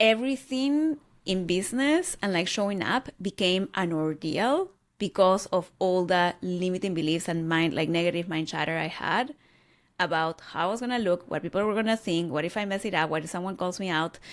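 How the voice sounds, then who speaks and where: With a Spanish accent, a woman speaks at medium pitch and a moderate pace. Her intonation is lively, on a very clean recording with a silent background. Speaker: mindset coach. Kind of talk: interview. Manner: casual, many fillers.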